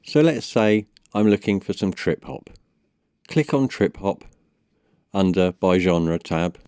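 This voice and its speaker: A man narrating a step-by-step software tutorial in a measured, instructional way. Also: sits low, expressive, clean tone, no echo, studio quality. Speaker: tutorial presenter.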